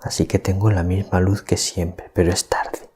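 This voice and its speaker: A priest from giving a calm, deliberate gospel reflection at night, keeping his voice down so as not to wake anyone. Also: low-pitched, husky. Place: small hermitage at night.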